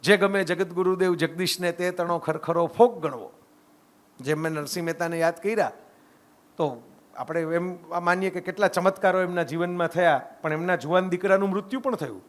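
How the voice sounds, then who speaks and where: At a moderate pace, a middle-aged man from Gujarat, India, speaks in a high-pitched voice. He gives a conversational, storytelling public talk that pairs anecdotes with reflection, and he often checks in by asking listeners "right?"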